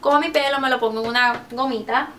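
A woman's voice: on the high side, steady tone, quick pace, a bit bright, slight background noise. A woman chatting casually and a little self-consciously as a beauty vlogger, mixing English words into her Spanish. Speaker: beauty video host. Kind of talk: casual chatty product review.

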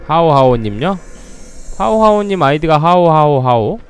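A man's voice: on the high side, lively intonation, moderate pace, clean tone. A man giving casual, playful commentary over a game he is playing, laughing often and letting out sudden startled exclamations. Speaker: gameplay commentator.

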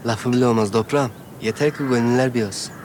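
An actor playing a loyal, respectful helper who talks in a quick, folksy way. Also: male voice, mid-range voice, background noise, close to an everyday voice. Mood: deferential. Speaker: farmhand, worker. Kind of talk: TV drama acting. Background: loud music.

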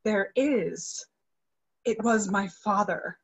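A woman's voice: mid-range voice, slow, slight background noise. A young woman acting an earnest, grieving young soprano devoted to her father in a dramatic play reading. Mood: elated, pleading. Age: young adult. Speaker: actress in a virtual staged reading. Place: indoor room, video call. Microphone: video call microphone.

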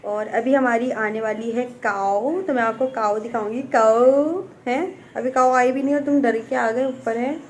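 A woman's voice: a little high, fairly even intonation, moderate pace, few pauses, darkish tone. A young woman vlogging at home in a chatty, playful way, talking to her pets and family. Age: young adult. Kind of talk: casual home vlog. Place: at home, indoors and on the rooftop. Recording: noisy home phone recording.

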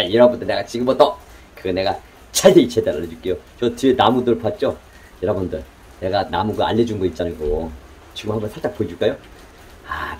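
A man's voice: fairly low pitch, a little mellow, slight background noise. Folksy chuckling middle-aged man. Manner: folksy, chatty, repeats "like this" constantly, chuckles often. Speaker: host. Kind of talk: casual how-to talk on gardening and cooking. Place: home kitchen, earlier a vegetable field.

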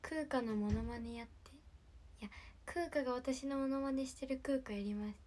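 Soft half-whispering teen girl. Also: high-pitched, normal speed. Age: late teens. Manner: soft, often half-whispered, rambling with many fillers. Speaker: idol group member. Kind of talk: late-night livestream chat.

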